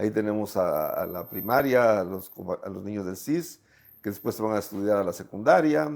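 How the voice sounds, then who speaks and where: A man's voice, fairly low in pitch, with ordinary pitch variation. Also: very clean recording, silent background. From Mexico, Sierra region of Oaxaca. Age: 60s. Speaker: lawyer. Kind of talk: interview. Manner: halting, with many fillers.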